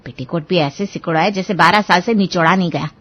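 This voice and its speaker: A woman's voice: fairly low pitch, fast talker, a bit bright. A woman voicing a work-dodging middle daughter-in-law with an offhand, dismissive manner. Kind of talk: storybook character voice.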